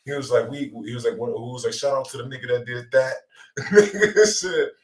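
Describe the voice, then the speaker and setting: A man's voice: medium pitch, fairly quick, distant mic. A man co-hosting a casual talk show, telling stories in slangy, profane, repetitive speech, recorded in a roomy space away from the mic. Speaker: radio show co-host. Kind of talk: casual chat.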